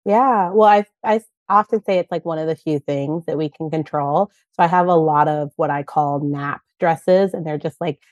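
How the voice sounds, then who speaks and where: A woman guest with a raspy voice from a cold, chatting playfully and laughing at herself. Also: sits low, normal speed, few pauses, a little mellow, no room sound, highs cut off. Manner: giggly, playful, self-mocking. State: getting over a cold. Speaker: guest, brand founder. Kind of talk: casual interview chat.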